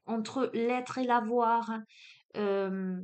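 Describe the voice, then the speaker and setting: A woman's voice: a little high, steady tone, very slow, a little mellow. Woman with a southern French accent. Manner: hesitant, many fillers. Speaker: oracle card reader. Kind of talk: spiritual card reading.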